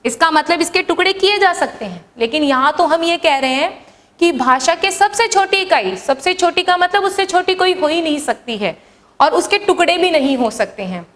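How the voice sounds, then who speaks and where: A woman with a high-pitched voice teaches a class lesson. She explains patiently and repeats each idea. She keeps asking her students questions and then answers them herself. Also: expressive, moderate pace, fairly bright tone.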